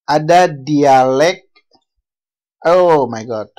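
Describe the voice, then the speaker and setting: Over a video call, a university lecturer from Bali delivers an online language lecture at an unhurried pace. They quiz the class and correct themselves along the way, in a medium-pitched, slightly mellow voice.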